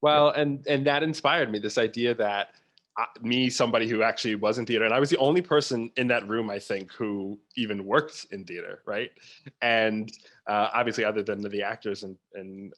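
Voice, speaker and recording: Male theatre producer as podcast guest, lower voice, conversational, anecdotal with quoted asides. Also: moderate pace, a bit bright. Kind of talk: casual conversational interview.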